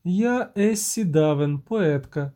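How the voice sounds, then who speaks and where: Man doing a gentle young woman poet. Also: on the high side, expressive, takes it slowly. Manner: soft, slightly sung delivery.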